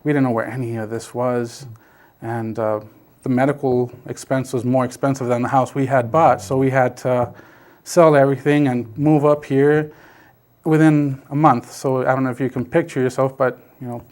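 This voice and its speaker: A man's voice: mid-range voice, fairly even intonation, normal speed, a little mellow. A middle-aged man from South Texas whose first language is Basque, telling his family story as an interview guest, with many fillers and restarts. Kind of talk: casual storytelling.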